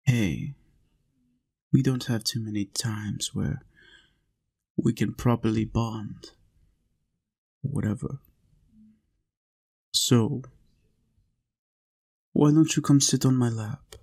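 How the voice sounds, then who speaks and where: A man playing a lonely, tender, centuries-old vampire in an intimate roleplay audio, confiding softly and earnestly. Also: mid-range voice, slow, vocal fry, pauses often, slightly rough.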